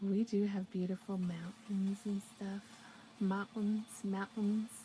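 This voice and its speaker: A woman's medium-pitched, somewhat breathy voice with an American accent, dark and mellow in tone, at a very slow pace in a monotone, flat intonation. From US, Colorado. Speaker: crochet livestreamer. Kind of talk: casual livestream chat while crafting.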